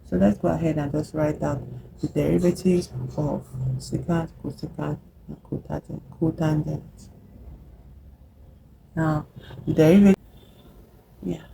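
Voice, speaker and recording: A woman with a Nigerian accent giving a casual whiteboard maths lesson. She is chatty and encouraging, checks in with "yeah?" and "okay?", and slows down to spell out formulas as she writes. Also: low-pitched, fairly even intonation, vocal fry, noisy background. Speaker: math tutor vlogger.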